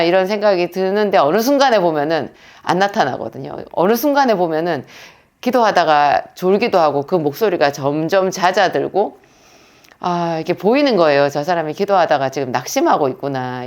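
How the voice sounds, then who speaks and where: A woman's voice: lowish voice, a little mellow. A woman, a pharmacist and pastor's wife, gives an earnest prayer lecture and tells stories with quoted dialogue.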